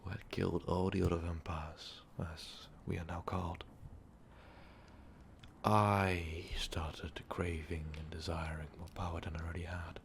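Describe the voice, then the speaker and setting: A man voicing an ancient, brooding, power-hungry vampire overlord in an ASMR roleplay, talking haltingly and often slipping into whispers. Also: low voice, flat delivery, creaky, slight background noise. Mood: brooding, proud. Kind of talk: ASMR roleplay monologue, intimate storytelling.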